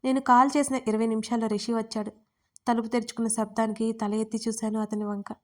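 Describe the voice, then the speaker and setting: Woman reading a first-person audio story, earnest and emotional, voice on the high side. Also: level tone, quick pace, darkish tone. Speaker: storyteller and narrator.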